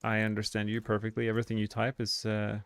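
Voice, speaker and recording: A young adult man from Sweden, talking through a live game stream in a relaxed, halting way. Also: lowish voice. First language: Swedish. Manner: relaxed, halting, frequent uh and restarts. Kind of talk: live stream commentary while gaming.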